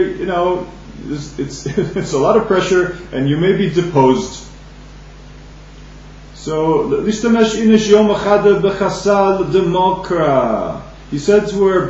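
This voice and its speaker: In a very echoey room, a Talmud teacher with a high, somewhat mellow voice leads a daily study lesson, reading Aramaic and explaining it in English while halting and restarting his phrases. A dull, lo-fi mic set far away picks him up, along with a faint hum.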